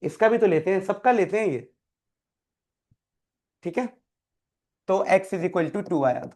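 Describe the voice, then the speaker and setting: A man's voice: high-pitched, animated, slow pace, darkish tone. Male teacher quizzing students. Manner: quizzes students by name, repeats key terms. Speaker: chemistry teacher. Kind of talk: live classroom tutoring.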